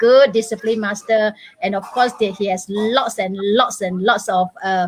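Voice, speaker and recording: A woman speaks over noticeable background noise. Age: 60s. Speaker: online talk show co-host. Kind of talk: casual chat.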